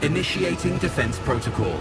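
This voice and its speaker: An actor playing a mechanical male guardian sentinel unit with a booming metallic robot voice, giving clipped, formal machine reports. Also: animated, brisk. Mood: cold, dutiful. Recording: voice over loud game music.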